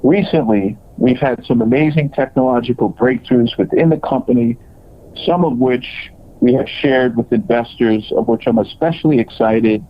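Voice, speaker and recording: A man's voice: medium pitch, normal speed. Man on a dull conference call line. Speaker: company executive. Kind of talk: scripted earnings call presentation.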